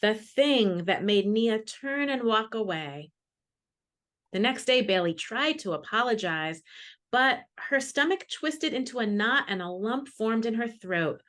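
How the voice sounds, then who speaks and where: A woman's voice: fairly high pitch, animated, a little slow, fairly bright tone. A woman, a children's author, introducing and reading her picture book to classrooms over a video call.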